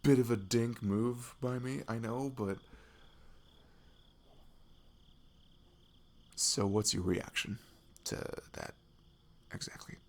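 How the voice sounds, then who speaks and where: A man playing a sweet, nervous young best friend in an intimate ASMR roleplay, speaking haltingly with a husky, breathy voice that drops toward whispers. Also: medium pitch, darkish tone. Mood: earnest, relieved. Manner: hesitant, halting, slipping into whispers.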